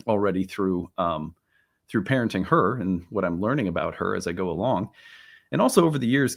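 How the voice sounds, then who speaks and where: A man in his thirties, a little hoarse from a cold, hosting a relaxed, rambling talk about astrology. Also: low-pitched. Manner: relaxed, rambling, with many fillers and restarts. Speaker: astrology teacher and channel host. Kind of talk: casual solo talk to camera.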